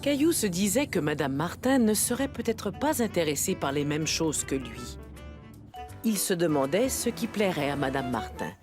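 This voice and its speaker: A woman narrating a scripted story for small children in a gentle storyteller's manner, with music behind. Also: fairly low pitch, sing-song, normal speed. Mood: gentle, storytelling.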